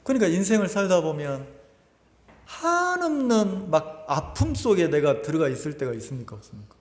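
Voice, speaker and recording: A man with a high voice preaches a Sunday sermon in a church, his pitch rising and falling widely. He talks conversationally, keeps asking the congregation questions and repeats his words. His voice rings through a reverberant hall. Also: very animated, moderate pace. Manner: repeats words and uses filler "막" often. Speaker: pastor. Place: church sanctuary.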